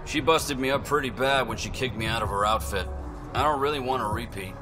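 A man's voice: mid-range voice, fairly quick, over music, close to an everyday voice. A man playing a reluctant, wary young outlaw in a video game, speaking hesitantly. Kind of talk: video game dialogue acting.

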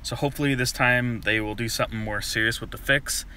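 A man's voice: mid-range voice, fairly even intonation, fast talker, sharp tone, smooth. A man talking casually and offhandedly in a home vlog, recorded on a handheld cell phone, with a little grumbling now and then. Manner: chatty and offhand, with mild grumbling. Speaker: camera vlogger.

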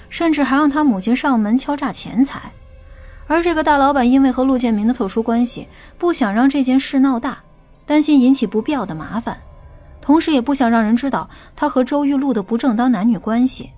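A woman playing a stern, knowing female investigator in an audiobook, with a brisk, assertive manner. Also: high-pitched, darkish tone. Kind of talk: audiobook character dialogue.

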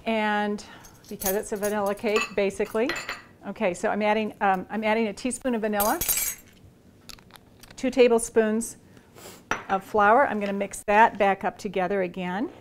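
Talking at a moderate pace with long pauses, a woman in her sixties hosts a cooking demonstration from a big home kitchen. She's easygoing and chatty, using her hands as she goes, and her mid-range voice comes with slight background noise.

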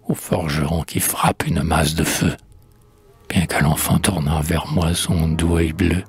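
A man voicing a guilt-stricken mythic hero who laments slowly in a deep, low voice, his words weighed down with grief. Faint music plays softly behind him. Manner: solemn, lamenting recitation.

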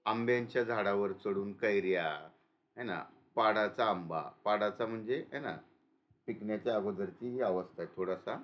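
Low-voiced man teaching a lesson. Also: normal speed, highs cut off. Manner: explains and repeats with frequent "है ना" checks. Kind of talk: explaining a school lesson.

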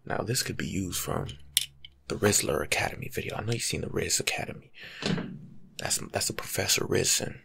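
A young American man giving rambling, slangy ASMR life advice in a hushed, breathy voice, playful and animated, close to the mic in a room at home. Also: low-pitched, a little fast. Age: young adult. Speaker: ASMR video creator. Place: small indoor room at home.

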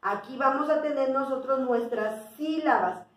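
A woman teaching a kindergarten class, drilling syllables slowly and clearly with a coaxing teacher's tone. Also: sits high. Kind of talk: recorded class for young children. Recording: echoey room, voice a little far from the mic.

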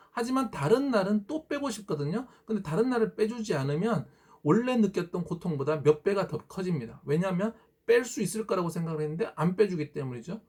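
Guy w a high voice, teacher type, polite advice talk for parents, acts out little quotes. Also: darkish tone.

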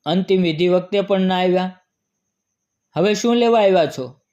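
A man's voice: sits high, moderate pace, dark tone, lo-fi sound, close to an everyday voice. A man voicing angry village people scolding two neglectful sons in a storybook narration, read reproachfully. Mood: angry reproach.

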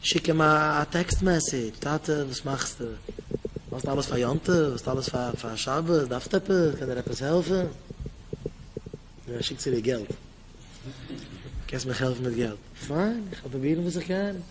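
A man's voice: normal speed, noisy background. A man giving a Yiddish Torah talk with a Hasidic accent and English words mixed in, acting out parents and children as he tells his stories. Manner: acts out parent and child voices, pitch jumping up and down. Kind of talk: Yiddish sermon with animated storytelling.

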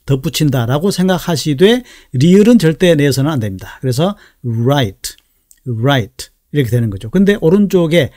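Man teaching slow, careful pronunciation. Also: a little high, very animated, warm tone, no room sound, studio quality. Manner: slow, careful, repeats example words. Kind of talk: explaining pronunciation in a lesson video.

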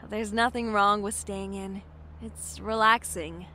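A woman playing a shy, friendly young bookstore worker in an audio drama, soft-spoken and hesitant. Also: medium pitch, fairly even intonation, takes it slowly, a little hiss or hum.

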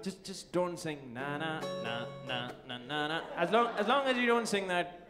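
A singer-songwriter talks to the crowd between numbers at a festival, guitar playing behind him. His voice sits on the high side, expressive and at a normal speed though worn out from singing, and he gushes thanks while urging everyone to join in.

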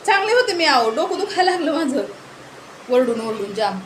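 A woman vlogger chatting at home, telling an animated story and scolding in a casual family vlog. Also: sits high, a little fast. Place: home indoors. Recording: echoey home room with noise.

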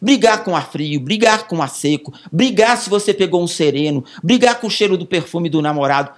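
A man's voice sitting high and expressive carries a Brazilian Portuguese accent as he responds to interview questions as a pulmonologist. His explanations are slow and full of vivid, everyday examples.

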